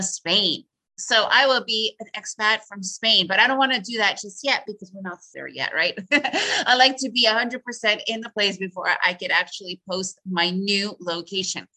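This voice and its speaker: A woman's voice: medium pitch, bright, forceful tone, poor audio. A woman whose first language is Russian, giving a chatty, upbeat live presentation on trading and talking to her viewers by name. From Soviet Union.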